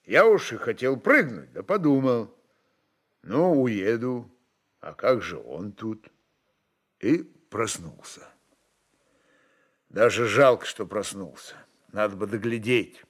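A man's voice: on the low side, very animated, slow pace, pauses often, heavily acted. A man voicing a brooding, blunt Cossack chieftain, a father, who muses in plain folksy dialect. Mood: brooding, tender.

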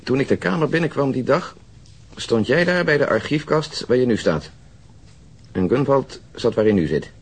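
An actor playing an unflappable, methodical police detective in a radio drama, measured and precise. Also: male voice, mid-range voice, animated, breathy edge. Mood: recollecting, precise. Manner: measured, precise, matter-of-fact. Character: methodical, unflappable pipe-smoking male detective with exact memory. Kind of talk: naturalistic Dutch radio drama acting.

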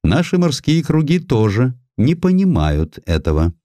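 Man playing a stern, animated Russian diplomat. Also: medium pitch, unhurried, dry recording, voice pushed up. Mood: displeased. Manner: formal, pointed. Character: stern, formal male Russian diplomat lodging protests. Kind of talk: dramatized audiobook.

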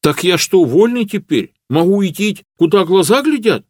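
A man's voice: high voice, sing-song, normal speed, dry recording, voice pushed up. A man voicing a simple-hearted young serf who speaks in a pleading, old-fashioned peasant way. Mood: bewildered. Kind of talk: audiobook character voice.

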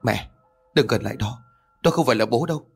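A man voicing a frightened but fierce young woman, a grieving daughter in a horror story, high and sharp when she raises her voice. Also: fairly quick, gravelly, husky, soft background music. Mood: alarmed.

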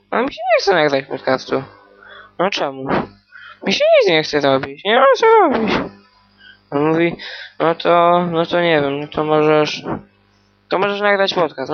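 A man's voice: a little high, dull audio. A man hosting a solo podcast, chatting in a meandering, hesitant way with lots of fillers. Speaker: podcast host. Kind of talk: rambling solo podcast chat.

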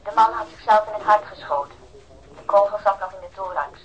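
Radio drama role: actress as female doctor, formal and careful, exact in her wording, medium-pitched, cooperative. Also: fairly quick, highs cut off, slight background noise, lightly acted. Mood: composed, assured. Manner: precise, formal, cautious. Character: precise, cooperative female doctor who performed an autopsy. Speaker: pathologist.

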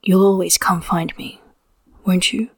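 A woman voicing a weary, aloof man who answers in short, flat replies for a storybook reading. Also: lowish voice, a little slow, husky. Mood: curt. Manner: terse, flat.

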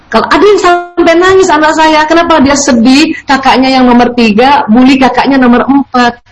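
Middle-aged woman, religious parenting speaker, high and lively, animated storyteller. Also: a little fast, rough recording. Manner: animated, acts out parent and child dialogue. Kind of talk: religious talk answering a question.

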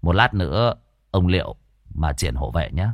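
A man voicing Cậu Tẩy, a stern young male exorcist who talks low, curt and muttered. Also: very animated, normal speed, creaky, no room sound, studio quality, exaggerated voice.

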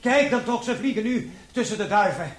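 Flustered, high-voiced police constable. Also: male voice, expressive, a little fast. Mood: excited. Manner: hesitant, flustered, officious. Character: eager, flustered, deferential male police constable. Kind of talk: radio play acting. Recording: noisy old radio play recording.

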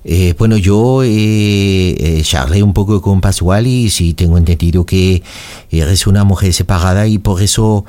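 A man playing a flowery, courtly French suitor in his forties on a prank call. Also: low voice. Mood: courteous. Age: 40s. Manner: flowery, courtly, slow romantic flattery. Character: smooth-talking French suitor man, middle-aged.

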